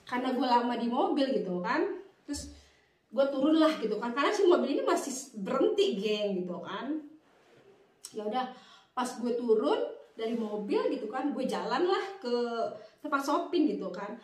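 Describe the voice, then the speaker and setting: A woman's voice: a little high, big pitch swings, normal speed, darkish tone, echoey room, distant mic. A young adult woman from Indonesia, a vlogger telling a story in a chatty, casual way and tagging her sentences with filler phrases. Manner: chatty, addresses viewers as "geng", many "gitu kan" tags. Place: Bavaria, Germany.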